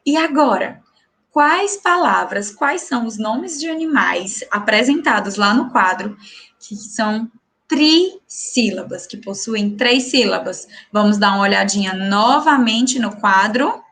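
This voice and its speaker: A woman's voice: on the high side, expressive, a bit bright. A woman teacher with a Brazilian Portuguese accent giving a recorded school lesson, patiently asking the class questions and praising their answers. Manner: slow, clear classroom delivery.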